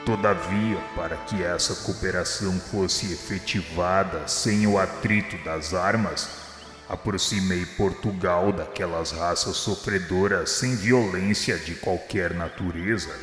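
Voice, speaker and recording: Guy playing a solemn merciful holy master in a radio play, really slow preachy delivery, big echo, music under it. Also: deep voice, fairly even intonation. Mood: solemn, grave. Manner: measured, solemn, preaching declamation. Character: Jesus, solemn divine master, grave and merciful. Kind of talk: solemn radio drama acting, formal oratory. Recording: echoey reverberant hall sound, music underneath.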